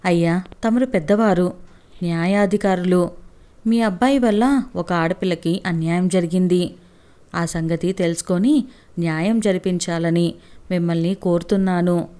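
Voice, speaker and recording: A woman doing a righteous young man who pleads forcefully and earnestly for justice, in a low, mellow voice. He speaks with steady moral conviction. It is a storybook reading. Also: normal speed, clean tone, close to an everyday voice.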